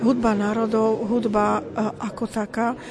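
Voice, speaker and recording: A woman with an Armenian accent and a fairly high voice, with noticeable background noise and audible room echo. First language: Armenian (speaking Slovak). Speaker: pianist, singer and composer. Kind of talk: radio interview.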